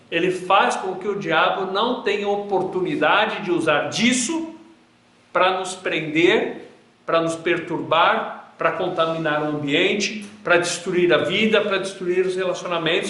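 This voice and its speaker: High-voiced man teaching Bible class. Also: fairly bright tone. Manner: earnest, repetitive preaching cadence. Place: room with a projector, with listeners. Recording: roomy echo in a hall.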